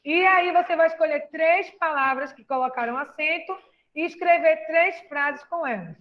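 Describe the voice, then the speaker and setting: A woman's voice: high voice, moderate pace, narrow, tinny audio. A woman teacher with a Brazilian Portuguese accent, patiently explaining a lesson and asking questions. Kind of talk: classroom lesson.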